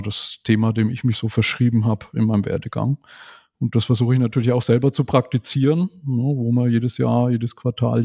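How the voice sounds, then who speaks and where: A man in his forties answering interview questions in a measured, reflective way. His voice has a gravelly edge and a dark, relaxed color. He often ends his points with a small questioning tag. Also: mid-range voice. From Germany. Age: 40s. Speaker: podcast guest. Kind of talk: casual conversational interview.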